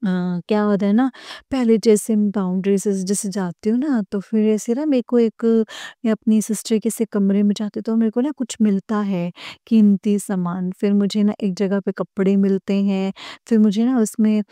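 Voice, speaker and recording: A woman's voice: mid-range voice, fairly even intonation, moderate pace, mellow, dry recording, studio quality. A woman from Uttarakhand with a slightly sore throat, earnestly recounting a dream to her congregation in a casual, filler-heavy way. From Uttarakhand, India. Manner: earnest, addresses listeners as congregation, many fillers. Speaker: devotee sharing a dream. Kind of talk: casual spoken testimony.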